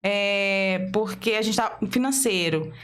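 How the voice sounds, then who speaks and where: A woman's voice: medium pitch, unhurried, fairly bright tone, smooth. A woman in her thirties from Brazil, a podcast guest telling a personal story with animation, acting out dialogue and laughing as she goes. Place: podcast studio.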